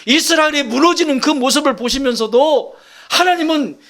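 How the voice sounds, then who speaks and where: A middle-aged male pastor preaching an animated sermon, repeating his points and jumping between loud bursts and whispers. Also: very high voice, normal speed. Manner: animated, repetitive, jumps between shouting and whispering.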